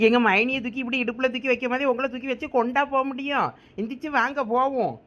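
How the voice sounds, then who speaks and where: A woman's voice: sits high, steady tone, fast, very noisy. A woman with a Thoothukudi Tamil accent coaxing and pleading with others in a comedy village sketch. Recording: dull lo-fi sound.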